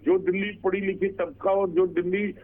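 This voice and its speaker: A man's voice: high-pitched, flat delivery, normal speed. A man arguing as a debate guest over a remote line, piling up rhetorical questions. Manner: rhetorical questions, repetitive emphasis. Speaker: political panel guest. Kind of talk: argumentative TV debate. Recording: tinny phone-like line with noise.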